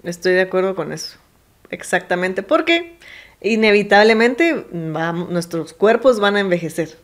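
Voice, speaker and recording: A woman's voice: medium pitch, lively intonation, normal speed. A woman, reflecting thoughtfully in a casual podcast chat. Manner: thoughtful, agreeing, warm laughs between points. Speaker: podcast co-host.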